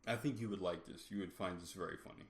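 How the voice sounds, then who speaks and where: A man's voice: low-pitched, fast talker, gravelly, noisy background. A man co-hosting a casual chat, laid-back, mostly giving short replies. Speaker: podcast co-host.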